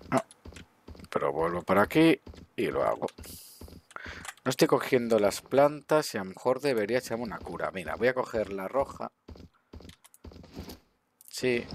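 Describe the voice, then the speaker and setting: A man's voice: on the low side, expressive, a little slow, gravelly, pauses often, slight background noise. A man with a Spain Spanish accent giving casual gameplay commentary, swearing often and talking to viewers. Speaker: gaming streamer.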